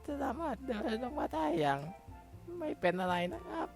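Very high, squeaky young game hero: excitable, easily startled, cursing. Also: male voice, brisk, music in the background. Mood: excited. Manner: excitable, yelps and curses when startled. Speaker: game caster. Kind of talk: playing and narrating a block-building game in a put-on voice.

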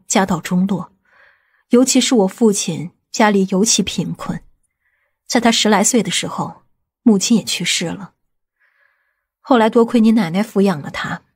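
A woman as a composed, husky-voiced aunt. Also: mid-range voice, darkish tone, lightly acted. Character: composed, authoritative middle-aged aunt of wealthy family. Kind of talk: audiobook drama dialogue.

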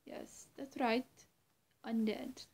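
Young woman, vampire roleplay, slightly high voice, creaky, halting, coaxing and menacing, whispery dips. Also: fairly even intonation, a little mellow. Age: young adult. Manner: slow, halting, often dropping to a whisper. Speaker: roleplay performer. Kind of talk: in-character vampire roleplay to the listener. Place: small room indoors.

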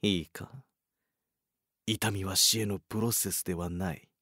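A man playing a cold, philosophising torturer, calmly cruel, with slow, hushed, controlled menace, anime-style. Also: deep voice, slightly rough, dry recording, studio quality, heavily acted. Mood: cold, menacing. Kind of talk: anime-style dramatic acting.

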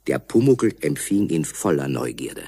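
A male narrator with a deep, mellow voice tells a children's story. His delivery is very lively in intonation, in a dry studio sound. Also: measured pace, breathy edge, no echo.

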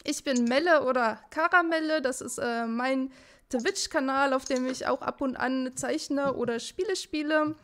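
A woman's voice: sits high, unhurried, a bit bright. A woman hosting a livestream, chatting casually. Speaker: host streamer.

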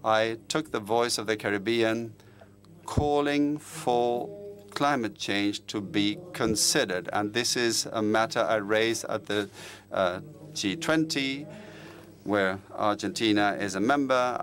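A man with a fairly low voice delivers a live interpretation of a speech. His pace is measured and halting, with pauses and the occasional filler as he keeps up with the speaker. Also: a bit bright.

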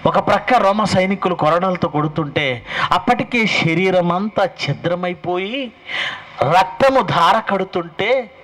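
A man's voice: sits high, a little slow, a bit bright, a little hiss or hum, rough recording. A male pastor preaching a sermon and pressing his point with rhetorical questions. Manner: emphatic, fires rhetorical questions.

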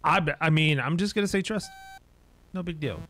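A man's voice: on the high side, fairly quick, a bit bright. A man in his thirties giving casual, half-joking commentary as he plays a horror game. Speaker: streamer playing a horror game. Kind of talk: casual gameplay commentary and reaction.

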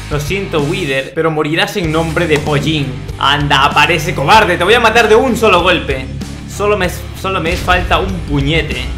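A young man, talking over a game, joking and shouting at enemies. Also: a little high. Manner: excitable, shouting at enemies, comic. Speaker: gaming youtuber. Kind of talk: playing a game.

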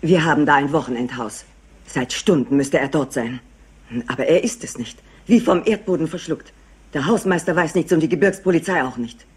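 An actress playing a distraught, worried middle-aged wealthy wife who speaks insistently in a crime drama. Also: female voice, sits low, normal speed, a little mellow, breathy edge. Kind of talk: dubbed TV crime drama acting.

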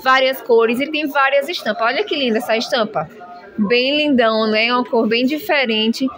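Speaking at normal speed with a slightly bright voice on the high side, a Brazilian shopping vlogger shows clothes in a shop. Filmed on a handheld phone camera, her enthusiastic showcase is chatty and gushing, full of "minha gente."

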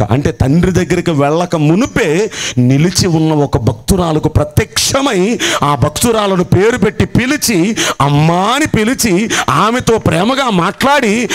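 A man preaching an Easter sermon to a seated congregation in church. He asks rhetorical questions and swings his voice dramatically as he quotes scripture figures. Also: high voice. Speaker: pastor.

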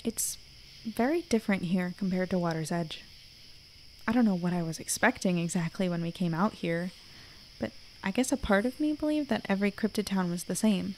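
A woman's voice: fairly low pitch, lively intonation, moderate pace, low-quality recording. Actress as a wary woman over faint ambient noise. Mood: musing. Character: wary, frank young woman investigator, secretly human. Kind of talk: audio drama narration and dialogue.

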